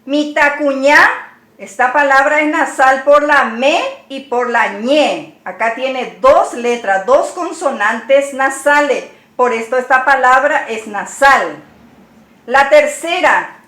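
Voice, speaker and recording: Slow, bright-voiced woman teaching a language lesson. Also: high voice, expressive, roomy sound. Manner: patient, spells words out letter by letter.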